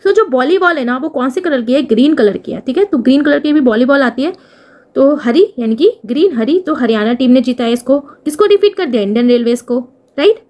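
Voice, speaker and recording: A woman teaching an exam-prep lesson with memory tricks. She asks and answers her own questions, says "okay" again and again, and reads the English phrases slowly. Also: sits high, lively intonation, a little mellow.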